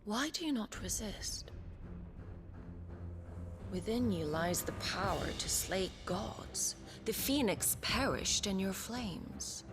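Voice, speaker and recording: An actress playing a haughty, seductive, scheming female villain in a video game, coolly menacing and deliberate. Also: medium pitch, expressive, over music. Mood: taunting, coaxing. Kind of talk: cinematic game cutscene acting.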